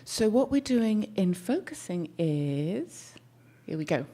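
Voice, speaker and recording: A soft-spoken woman, a therapist, presenting a talk to an audience through a microphone. She speaks thoughtfully and sometimes restarts as she searches for words. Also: medium pitch, very animated, slow pace. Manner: soft-spoken, leans in to the mic.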